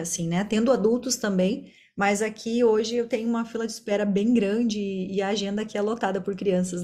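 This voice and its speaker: A woman's voice: a little high, darkish tone. A Brazilian woman speaking as an interview guest, a speech therapist explaining her work in a talkative, conversational way. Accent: Brazilian Portuguese.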